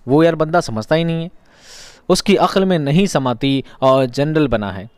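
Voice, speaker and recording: A male Urdu teacher explaining a short story in a lively, conversational way, acting out the characters' dialogue. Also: on the high side, moderate pace, clean tone, dry recording.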